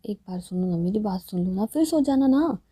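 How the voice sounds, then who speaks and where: A woman's voice: medium pitch, expressive, fairly quick, mellow, husky. A woman voicing a shy, playful young woman who pleads and whines, in a storybook reading. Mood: pleading. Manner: pleading, whiny.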